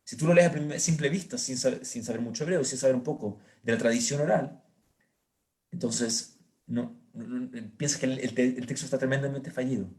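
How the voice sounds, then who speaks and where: A man with a Chilean accent, a rabbi teaching a Torah class, explaining with lively rhetorical questions to his listeners. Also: medium pitch, fairly quick.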